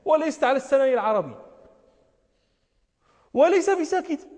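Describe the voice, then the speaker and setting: A man's voice: very high voice, a little mellow. Man, religious scholar, lecture, emphatic, rhetorical questions, long hall echo. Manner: emphatic, repeats phrases, asks rhetorical questions. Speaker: religious scholar teaching a lesson. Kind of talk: lecture on recitation and jurisprudence.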